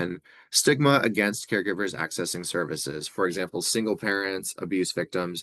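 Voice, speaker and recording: Against a quiet background, a man with a very deep, low pitch and ordinary pitch variation sounds dry and close, with no echo. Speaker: public health presenter. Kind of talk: presentation at an online advisory committee meeting. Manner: fast; hesitant, with frequent fillers and repetitions.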